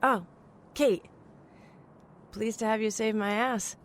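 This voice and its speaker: A woman's voice: fairly high pitch, steady tone, slow pace. An actress playing a plucky, frank female survivor of a spacecraft crash in an audio drama. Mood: wry, grateful.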